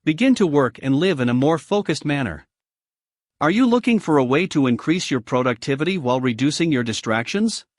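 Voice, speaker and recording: A man with a Greek accent reads a self-help audiobook in a lively, expressive way, often addressing the listener with questions. His voice sits a little high and moves a lot. The recording is close and dry, with no room sound. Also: brisk, no room sound. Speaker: audiobook narrator.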